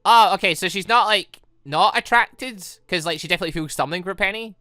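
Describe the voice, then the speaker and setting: A woman's voice: mid-range voice, quick pace, pushed and bright, dry recording, studio quality. A woman giving casual, chatty let's-play commentary on a visual novel, rambling through giggly asides. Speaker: gaming video host.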